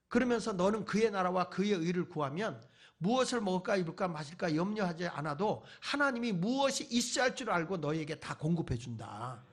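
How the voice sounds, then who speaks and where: A male pastor preaching at a church revival meeting, firing rhetorical questions at the congregation and mixing in folksy humor. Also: high voice. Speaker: pastor, guest revival speaker. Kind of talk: sermon.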